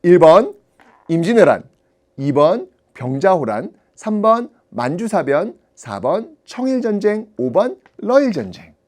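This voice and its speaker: A man's voice: high voice, sing-song, a little slow, darkish tone. A man teaching history in an audio-only exam prep lecture, talking to students with rhetorical questions and frequent laughs.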